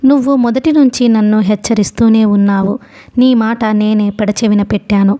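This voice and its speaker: A woman voicing a hurt, indignant young man who answers in sharp, clipped retorts, reading from an audiobook novel. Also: medium pitch, fairly even intonation, normal speed, lightly acted. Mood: bitter.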